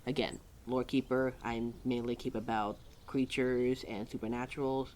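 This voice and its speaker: A woman's voice: extremely low pitch, moderate pace, slight background noise. A woman playing a chatty, indignant keeper of forgotten lore in an ad-libbed audio roleplay, rambling and often talking to herself. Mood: helpful, chatty. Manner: rambling, talks to self, animated, sighing.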